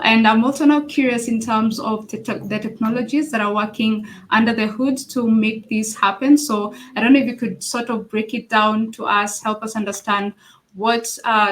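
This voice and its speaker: A woman's voice: medium pitch, fairly bright tone. Encouraging woman interviewer asking questions. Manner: encouraging, inquisitive, affirming. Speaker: interviewer host.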